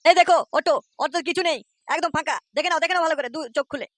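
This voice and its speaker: Woman doing a swearing young cartoon driver guy, rapid, sharp, dry sound. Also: high-pitched, no room sound. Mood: angry. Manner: cursing, quarrelsome. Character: brash young male auto-rickshaw driver, foul-mouthed. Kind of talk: cartoon voice acting.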